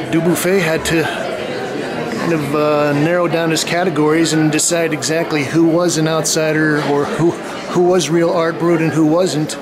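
A man speaks at a moderate pace. Crowd noise fills the background. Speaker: art critic vlogger. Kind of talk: commentary. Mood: calm reflective. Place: hall. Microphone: phone near.

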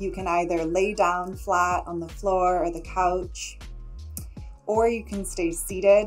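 Faint music sits in the background. Over it, a woman speaks at a fairly slow pace. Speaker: meditation guide. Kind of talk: guided meditation. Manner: slow, soft-spoken. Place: home room. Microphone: webcam.

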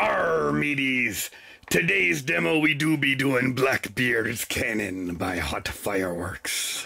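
Using a put-on character voice, a man talks at a fairly slow pace in a raspy, medium-pitched tone. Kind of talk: fireworks product demo. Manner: playful, hammy.

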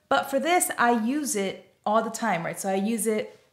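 The background stays quiet. A woman speaks at a fairly slow pace with ordinary pitch variation. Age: 40s. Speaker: lifestyle and sewing YouTuber. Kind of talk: tutorial. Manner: casual, conversational with frequent fillers. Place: home room. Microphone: phone near.

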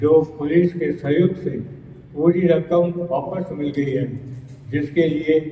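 The delivery is monotone with flat intonation, and there is noticeable background noise. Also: man. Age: 80s+. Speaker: retiree, fraud victim. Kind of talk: testimony.

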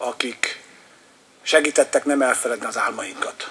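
A man is speaking. His pace is moderate. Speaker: local politician. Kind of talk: speech at opening ceremony. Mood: thankful, upbeat. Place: street. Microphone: podium.

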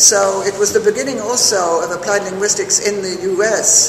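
Noticeable background noise sits behind the recording. A woman speaks at a medium pitch. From France. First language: French. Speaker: professor. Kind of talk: interview. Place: hall. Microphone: handheld.

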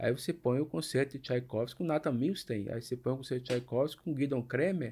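Lively intonation runs through a man's fairly high-pitched voice. His tone is dark and mellow. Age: 50s. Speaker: orchestral cellist; podcast guest. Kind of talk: casual interview. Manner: halting, repeats words. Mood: warm, emotional about music. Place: studio. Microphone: studio mic.

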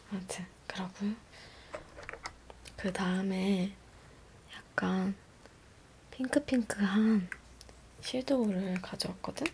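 A soft-spoken woman whispering at a very slow pace, with long, frequent pauses and light background noise. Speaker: ASMR creator. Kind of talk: casual role-play chat. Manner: soft close-mic ASMR whisper. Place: home room. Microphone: studio mic.

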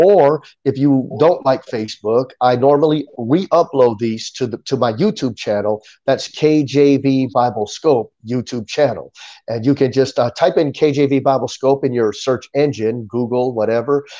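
Against a quiet background, a man speaks at a fairly slow pace. His tone is dark and mellow, with ordinary pitch variation. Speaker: Bible Q&A host. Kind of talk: livestream host announcement. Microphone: earbuds.

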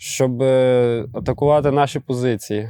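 A man speaks at a moderate pace in a medium pitch, his tone dark and mellow. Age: 20s. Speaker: soldier. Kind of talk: interview testimony. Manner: halting.

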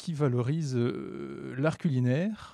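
A man speaks with a dark, mellow tone. The sound is dry with no echo, and the background is quiet. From Languedoc, France; France. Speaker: photographer; guest. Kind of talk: live radio interview. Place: hall. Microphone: handheld.

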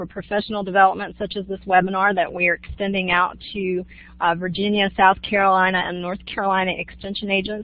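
Her intonation is monotone and flat. The woman's voice sounds dry, with no echo. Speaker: webinar moderator. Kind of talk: webinar introduction.

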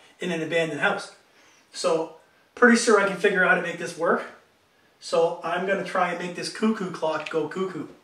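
A man talks at a fairly quick pace in a high pitch with fairly even intonation. There is audible room echo. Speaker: urban explorer vlogger. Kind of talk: casual vlog chat. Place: home room. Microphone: phone near.

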